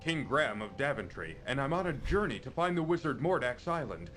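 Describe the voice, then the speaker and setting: A man's voice: medium pitch, sing-song, fairly quick, fairly bright tone, soft background music. A man voicing an earnest king on a quest in an adventure video game, pleading for help. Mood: earnest, lost.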